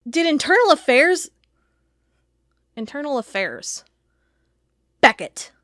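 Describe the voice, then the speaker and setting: Actress as obsessive female investigator, audio drama. Fairly high voice, suspicious, emphatic, talking to herself. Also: very animated, takes it slowly, a bit bright, no room sound, clean studio sound, full character voice. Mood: agitated, angry. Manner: thinking aloud, emphatic, muttering to herself. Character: agitated, suspicious woman investigator, sharp-tongued and obsessive.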